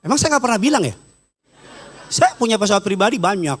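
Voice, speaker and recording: A man preaching a sermon as pastor, telling funny stories with a lively manner. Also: high voice, fast. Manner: humorous storytelling, lively.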